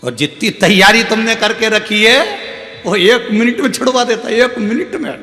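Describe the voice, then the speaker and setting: A man preaching a devotional story sermon, animated and dramatic, with sharp swings in loudness. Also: sits high, moderate pace. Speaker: katha preacher. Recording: echoey hall with faint music.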